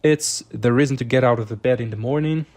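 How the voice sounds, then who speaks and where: A man with a mid-pitched voice reads tarot cards for his listener. He talks casually and conversationally, explaining each card as host and thinking aloud as he goes. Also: a little fast, a little mellow. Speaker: tarot reader, channel host.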